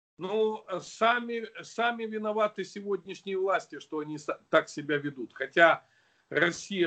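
A man speaks in a raised, projected voice with a bright, sharp tone at a high pitch, his loudness swinging widely. His pace is moderate, his pitch varies in an ordinary way, and the background is quiet. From Ukraine, Kherson region; Ukraine. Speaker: politician. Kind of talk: interview. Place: home room. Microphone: video call.

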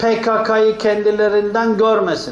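Amid audible room echo, a man speaks at a high pitch and a very slow pace. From Turkey, Izmir region; Turkey. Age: 50s. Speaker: Sufi sheikh. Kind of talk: religious talk answering audience questions. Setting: dervish lodge gathering with audience. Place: home room. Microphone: lapel.

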